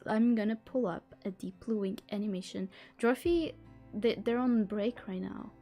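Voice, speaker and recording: Over soft background music, a woman hosting a relaxed livestream reads out a book blurb in English, which isn't her first language, stumbling, chatting, and giggling a lot. Her voice is mid-range and warm, at a moderate pace.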